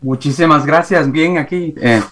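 A middle-aged man from Guatemala, speaking with a Guatemalan Spanish accent on a video call from home, telling his story haltingly with many fillers and restarts. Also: fairly high pitch, fairly bright tone. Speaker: guest, executive coach. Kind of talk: remote interview, reflective storytelling. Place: home, in the morning.

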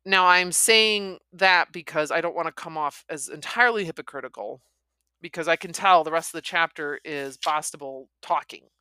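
Bright-voiced woman podcast host. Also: low-pitched, normal speed, clean tone, no echo. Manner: chatty, critical asides. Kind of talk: reading a novel aloud with commentary.

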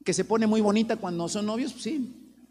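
High-voiced preacher man in a reverberant hall. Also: moderate pace. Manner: dramatic, swings between loud emphasis and soft low passages, acts out quoted voices. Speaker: pastor. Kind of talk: sermon. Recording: long reverb, faint room noise.

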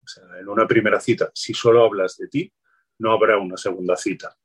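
A man speaking as an interview guest, explaining marketing tips in a relaxed, advice-giving way, often restarting his phrases. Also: fairly low pitch, brisk, slightly rough. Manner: explanatory, many restarts and "pues". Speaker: guest, LinkedIn sales consultant.

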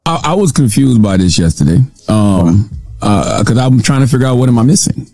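A man's voice: mid-range voice, expressive, fairly quick, darkish tone, no echo, faint music behind. A man co-hosting a morning radio show, questioning and arguing his point. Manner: questioning, argumentative.

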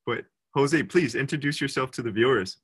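A man's voice: medium pitch, moderate pace, a bit bright, breathy edge. A man hosting a soccer interview show, introducing his guest and asking friendly questions. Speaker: podcast host, interviewer.

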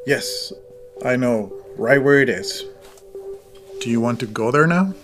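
A man playing an easygoing, folksy farm owner in an audio drama, speaking in an unhurried, plainspoken, obliging way. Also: medium pitch, animated, music in the background, lightly acted.

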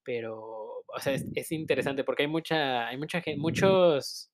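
A man's voice: mid-range voice, moderate pace. A man with a Mexican accent in casual conversation, talking loosely with slang and frequent fillers. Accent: Mexican Spanish. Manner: relaxed, colloquial, trails off with fillers. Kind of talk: casual chat.

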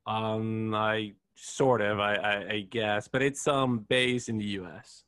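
A man's voice: on the low side, steady tone, slow pace, fairly bright tone, smooth, dry recording, studio quality. A man from Puerto Rico whose first language is Spanish, speaking English with a Puerto Rican accent in a polite, somewhat hesitant way while asking for business advice. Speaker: caller seeking business advice. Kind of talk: casual call conversation.

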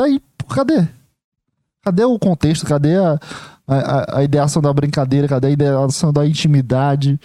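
A man's voice: on the high side, warm tone, no room sound. A young man with a Brazilian accent giving a rambling casual opinion monologue, full of restarts and fillers. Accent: Brazilian Portuguese. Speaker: commentator.

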